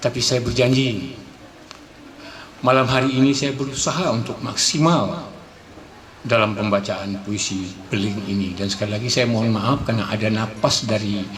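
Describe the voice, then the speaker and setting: Amid noticeable background noise and audible room echo, a man with a medium pitch talks at a moderate pace with ordinary pitch variation. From Riau, Indonesia (Dumai, Malay). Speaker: poet / literary artist. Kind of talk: talk before a poetry reading.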